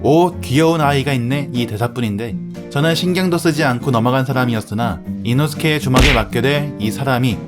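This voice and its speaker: A man narrating a scripted anime review as the reviewer. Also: medium pitch. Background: music.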